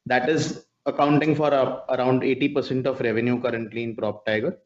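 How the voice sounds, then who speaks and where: A man with a mid-pitched voice speaks over slightly muffled conference call audio. He explains business figures as a company executive, in a measured and formal manner. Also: little pitch movement. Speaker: company executive answering analysts. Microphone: conference call line.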